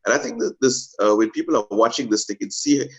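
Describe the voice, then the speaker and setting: A man's voice: medium pitch, quick pace. A man speaking earnestly as a guest on a video call, hesitating with many fillers. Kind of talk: casual pitch talk.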